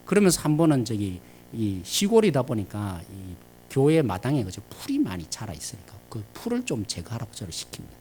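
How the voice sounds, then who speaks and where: A Korean pastor, a man, preaching a midweek sermon in a church, animated and shifting between loud emphasis and quiet asides. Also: on the low side, fairly quick, hardly any pauses, slight background noise. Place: church sanctuary.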